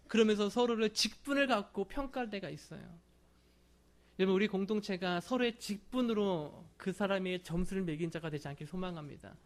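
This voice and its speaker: A male pastor preaching a Sunday sermon, earnest and often asking the congregation questions. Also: high voice.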